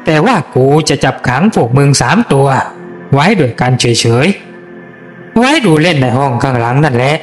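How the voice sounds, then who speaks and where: A man's voice: medium pitch, animated, normal speed, soft background music, lightly acted. A man voicing a vengeful, ruthless male gang boss who snarls coarse threats. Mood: menacing.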